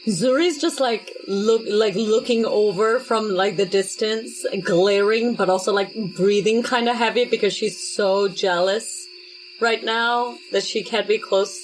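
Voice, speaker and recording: A woman's voice: medium pitch, unhurried, soft background music, rough recording. A woman playing a tabletop game, casually improvising narration with lots of "like". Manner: informal, peppered with "like".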